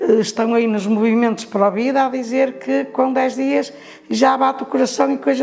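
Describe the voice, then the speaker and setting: A woman at a fairly high pitch and moderate pace, over noticeable background noise. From northern Portugal, Felgueiras (Porto district). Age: 70s. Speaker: retired union leader. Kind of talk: life story testimony. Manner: halting, with filler sounds.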